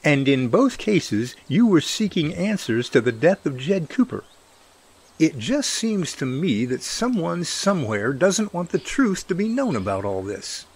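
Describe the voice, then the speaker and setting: A man's voice: a little high, very animated, unhurried, slightly rough, heavily acted. A man playing an earnest, protective brotherly figure in a radio drama, pleading in a folksy way. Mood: urgent pleading.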